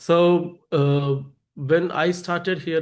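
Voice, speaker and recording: A man with an Indian accent speaks with fairly even intonation. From India, Telangana (Suryapet near Hyderabad). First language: Telugu. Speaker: IT academy founder and trainer. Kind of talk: webinar presentation. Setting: online webinar.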